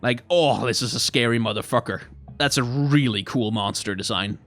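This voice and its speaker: A young man, a little hoarse, chatting casually on a live stream, rambling and answering his chat as he reviews card art. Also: medium pitch, moderate pace, fairly bright tone, faint music behind. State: slightly hoarse.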